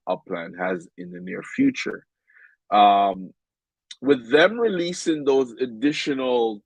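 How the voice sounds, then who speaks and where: A man's voice: fairly low pitch, no room sound, rough recording. A man with a stuffed-up, nasal voice giving casual game commentary in a rambling way, with many ums and restarts. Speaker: game vlogger.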